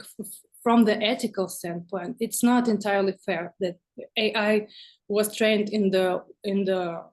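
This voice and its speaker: Woman speaking English as a second language. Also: mid-range voice. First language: not English. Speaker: guest visual artist. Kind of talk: casual interview conversation.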